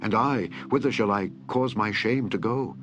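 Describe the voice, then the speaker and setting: A man's voice: on the low side, moderate pace, highs cut off, music in the background, voice pushed up, lightly acted. A man reading the lines of a pleading young princess in a plain, earnest way.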